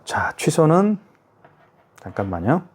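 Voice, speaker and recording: A man's voice: fairly high pitch, sing-song, takes it slowly. A man giving a casual product tutorial, narrating each step aloud and checking in with the viewer. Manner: chatty, self-narrating each step, frequent "자" and "그죠?". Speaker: product demonstrator. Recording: faint hiss with device clicks.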